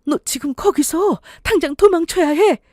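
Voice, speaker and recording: A worried middle-aged mother, read by a woman storyteller who speaks in urgent, hushed commands. The pitch swings widely and the sound is dry and close. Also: sing-song, normal speed, dry recording.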